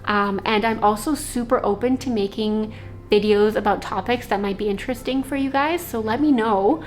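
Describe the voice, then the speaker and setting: A woman's voice: medium pitch, moderate pace. Rambling young woman vlogger, Slovak-born. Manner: rambling, many fillers. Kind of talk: casual storytelling.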